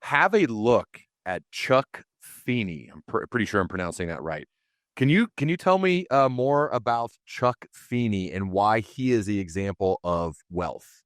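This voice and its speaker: Male interviewer, deep voice, casual podcast chat, tight dry sound. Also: lively intonation, unhurried, no room sound.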